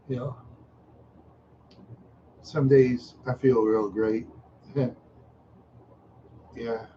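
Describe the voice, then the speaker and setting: An older livestream host with a mid-range voice sounds tired and a little unwell as he drifts through slow, repetitive, rambling casual chat, often trailing off into soft chuckles. The stream audio is dull and lo-fi, with faint hiss underneath.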